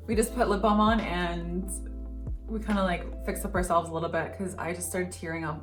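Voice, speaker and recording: A woman's voice: lowish voice, steady tone, moderate pace, recorded from a distance. A young woman hosting her channel, chatting casually about how she met her partner, with lots of fillers and laughter. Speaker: channel host. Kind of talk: casual couple chat. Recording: roomy echo, faint music.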